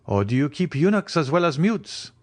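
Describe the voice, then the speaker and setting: Man voicing an eager, higher-pitched young journalist. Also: very animated, normal speed. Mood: curious, playful. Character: genial, eager young male journalist, society gentleman. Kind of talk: audiobook character dialogue.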